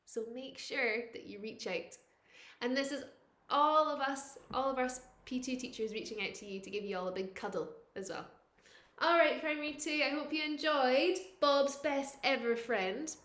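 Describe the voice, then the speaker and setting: A woman, a primary school teacher, reading a picture book to young children expressively, with dramatic pauses and questions to her listeners. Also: high voice, a bit bright, echoey room.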